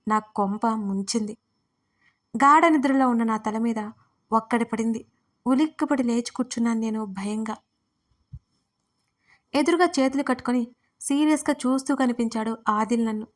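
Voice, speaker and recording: A woman's voice: a little high, moderate pace, long pauses. Woman narrating a first-person audio story. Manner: lively, dramatic first-person telling.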